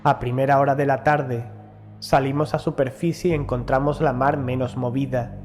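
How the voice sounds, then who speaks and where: A man reading a first-person horror story as an audiobook narrator, in a measured, formal storytelling delivery. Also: mid-range voice, little pitch movement, a little mellow. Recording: music behind the voice. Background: background music.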